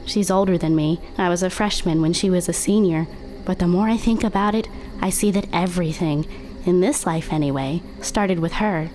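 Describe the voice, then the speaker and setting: A woman playing a haunted, confiding teenage girl who narrates a horror audio drama in a deliberate, dramatic way. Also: fairly low pitch, a little mellow, a little hiss or hum, close to an everyday voice.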